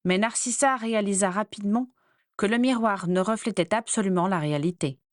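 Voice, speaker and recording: A woman narrates a fantasy audiobook in a measured, clear storytelling voice at a middle pitch. Her reading is recorded dry and close. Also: dry recording. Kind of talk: scripted narration.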